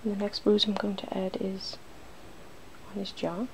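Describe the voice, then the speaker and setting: Softly whispering woman with a creaky edge. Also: medium pitch, flat delivery, a little slow, noisy background. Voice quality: soft, breathy whispering and hushed talk. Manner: playful, giggly. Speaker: ASMR video host. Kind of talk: ASMR makeup demonstration, narrating each step.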